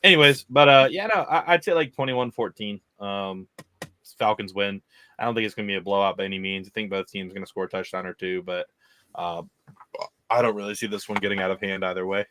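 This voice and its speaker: A man's voice: fairly low pitch, quick pace, bright, forceful tone, clear, resonant tone. A man co-hosting a casual sports podcast, rambling with frequent restarts. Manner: rambling, full of restarts and fillers. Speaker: podcast co-host.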